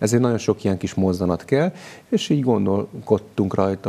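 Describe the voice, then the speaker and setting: This man speaks at a very fast pace with a dark, mellow tone. His pitch varies in an ordinary way. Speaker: guest. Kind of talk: interview answer. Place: studio. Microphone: lapel.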